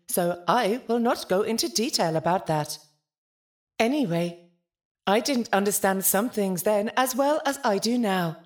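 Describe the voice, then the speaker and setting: A woman's voice: medium pitch, natural voice. A woman playing a polite, lonely, literal-minded nonhuman intelligence in an audio drama, speaking formally and precisely. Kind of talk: audio fiction podcast acting.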